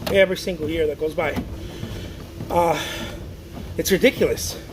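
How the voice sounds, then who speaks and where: A man's voice: fairly high pitch, moderate pace. A man from Mexico, an artist chatting casually on a livestream, rambling with many restarts and reading viewer comments aloud. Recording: noticeable background noise.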